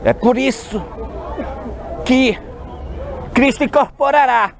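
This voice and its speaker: A man from Brazil with a Brazilian Portuguese accent, preaching a sermon outdoors on a city street, slow and emphatic, with sudden shouted stresses. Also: very high-pitched, gravelly, crowd noise, background noise.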